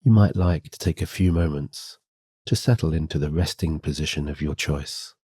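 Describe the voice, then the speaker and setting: A man giving a scripted sleep hypnosis and guided meditation in a gentle, soothing, guiding way. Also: rumbling low, normal speed, husky, no room sound, clean studio sound.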